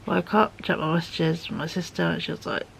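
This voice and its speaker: A woman's voice: fairly low pitch, fairly even intonation, fairly quick, vocal fry, fairly bright tone, slight background noise. A woman vlogging from home into a phone at arm's length, chatting in a rambling way with lots of fillers and dips into whispers, her voice sounding tired. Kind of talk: chatty vlog monologue.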